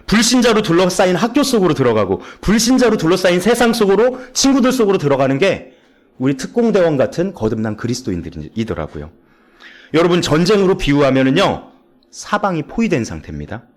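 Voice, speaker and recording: A young man preaching a sermon in church as a junior pastor, earnest and emotional, dropping soft and low on the hard moments. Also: sing-song, fairly quick.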